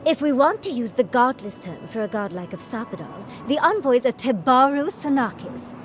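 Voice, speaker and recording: A woman's voice: a little high, normal speed, natural voice. A woman playing an eager, chatty young scholar adventurer in a fantasy game. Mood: eager, excited. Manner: animated, chatty, enthusiastic explainer. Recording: game audio with music behind.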